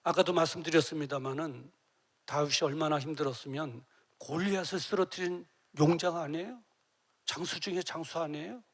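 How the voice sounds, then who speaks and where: Middle-aged male pastor preaching, goes soft then loud and tearful, raspy fry in the voice. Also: on the high side, fairly even intonation, brisk. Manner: emotional, swings from soft to loud; acts out tearful prayers. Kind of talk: sermon.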